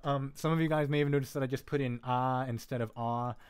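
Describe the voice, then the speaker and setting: Male streamer, smooth clear voice, mid pitch, easygoing technical walkthrough, frequent self-corrections and filler words. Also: fairly even intonation, fast talker. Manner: rambling, self-correcting, lots of "um" and "like"; laid-back, jokey asides. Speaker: live-stream host teaching vocal synth tuning.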